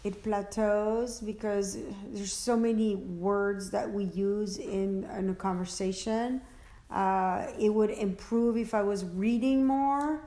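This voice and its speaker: A woman answering interview questions about her work as an interpreter, halting and searching for words, often restarting. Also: medium pitch, fairly even intonation, mellow. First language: French. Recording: echoey room.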